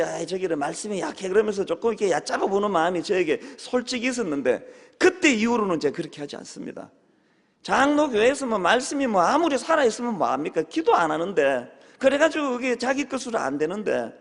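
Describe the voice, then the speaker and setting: A male pastor preaching a sermon, telling humorous stories with sudden shouted exclamations. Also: sits high. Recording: long hall reverb.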